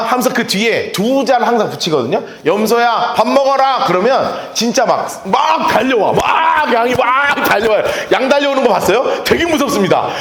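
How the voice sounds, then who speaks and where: Male pastor, sermon, lively storytelling, high voice, echoey church hall. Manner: lively storytelling, often laughing. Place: church sanctuary.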